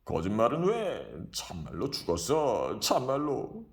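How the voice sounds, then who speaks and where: A man voicing a drunk, boisterous middle-aged rickshaw man who talks in rough, loud shouts. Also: medium pitch, wildly swooping pitch, measured pace, a little hiss or hum, voice pushed up. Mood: drunk grief.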